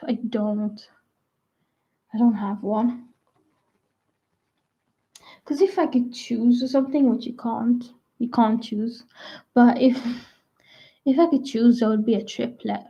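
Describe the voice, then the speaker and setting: A young adult woman rambling casually to her viewers, full of "like" and restarts, her voice croaky at times. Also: on the high side. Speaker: vlogger. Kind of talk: rambling casual chat to camera. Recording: dull lo-fi sound.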